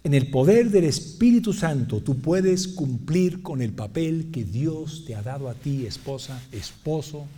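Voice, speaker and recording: A middle-aged man delivers an animated sermon in a high voice that leaps up and down. He swings from quiet asides to loud bursts and keeps clearing his throat. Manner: animated, shifts from quiet asides to loud exclamations, jokes with the audience. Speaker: preacher. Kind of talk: lively sermon.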